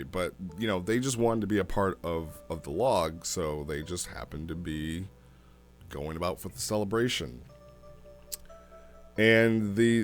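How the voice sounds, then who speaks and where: Casual male review host: deep register, slow and halting, retells stories informally over music. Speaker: host reviewing online roleplay sessions. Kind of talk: casual commentary, retelling a story.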